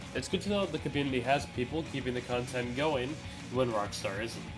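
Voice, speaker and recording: A man is speaking. Music plays in the background. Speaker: gaming YouTuber and streamer. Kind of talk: gaming video essay narration.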